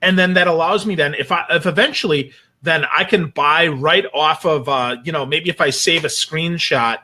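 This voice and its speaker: A man with a very bright, forward voice pitched a little high, talking casually on a panel show. He sounds enthusiastic and peppers his talk with folksy exclamations. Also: moderate pace.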